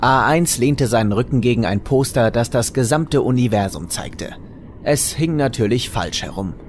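A man narrating a comic audio drama from a script, dryly, with dramatic pauses. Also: medium pitch, expressive, a little hiss or hum. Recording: music behind the voice.

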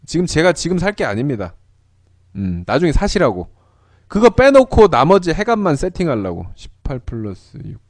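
A man's voice: a little high, a little mellow, dry recording. A young man streaming an online game, chatting casually with his viewers while he trades and sets up gear.

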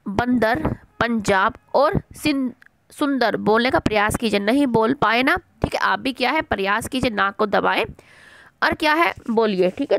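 A woman's voice: fairly high pitch, creaky, fairly bright tone, no room sound. A middle-aged woman teacher giving an online language lesson to children, patiently repeating words and asking and answering her own questions.

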